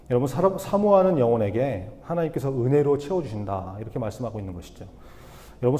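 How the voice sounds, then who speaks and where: A man's voice: mid-range voice, mellow. A young man preaching a conversational, humorous sermon to a youth congregation, addressing them directly. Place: church sanctuary. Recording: long church-hall reverb.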